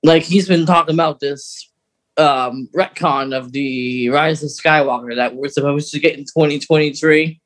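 A man's voice: a little high, steady tone, normal speed, fairly bright tone, low-quality recording. A man co-hosting a podcast, chatting casually and rambling informally through fandom news. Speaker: podcast co-host.

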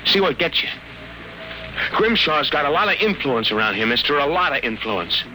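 An American actor playing a curt, sarcastic hearse driver in 1950s radio style. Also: male voice, fairly high pitch, very animated, normal speed, sharp tone, full character voice. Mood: surly, sarcastic. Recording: noisy old radio recording.

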